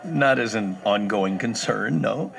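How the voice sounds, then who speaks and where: A man's voice: on the low side, animated, unhurried, creaky, fairly bright tone, soft background music, exaggerated voice, poor audio. An actor playing a good-humored young man who answers with wry, easygoing remarks.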